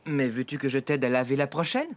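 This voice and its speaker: A man playing a patient, kindly father in a French children's cartoon, encouraging and gently instructive. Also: mid-range voice, fairly even intonation, a little fast, a little hiss or hum, lightly acted.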